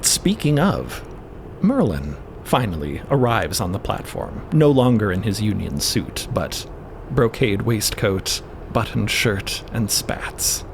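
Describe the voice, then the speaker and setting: A man's voice: fairly low pitch, big pitch swings, slow pace, noisy background. A man delivering scripted dramatic narration as the narrator of an audio story.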